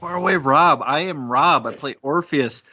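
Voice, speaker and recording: A man's voice: a little high, normal speed, sharp tone, dry recording, highs cut off. A man in his thirties bantering casually as a podcast player, cocky and teasing. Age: 30s.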